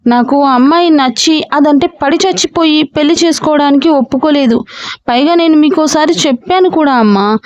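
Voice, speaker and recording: A woman voicing a young man who pleads with his mother in a slower, earnest voice. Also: high voice, lightly acted. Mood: pleading.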